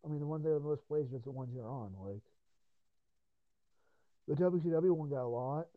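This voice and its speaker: Tired, rambling podcast host on a tinny line. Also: male voice, a little high, fairly quick, no echo. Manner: profane, rambling, laughs often. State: tired voice after hours of talking. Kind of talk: casual podcast chat.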